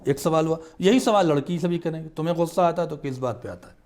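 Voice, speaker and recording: A man's voice: a little high, a little mellow. A man on a studio talk show, explaining marriage advice in an earnest, emphatic way. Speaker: religious scholar guest.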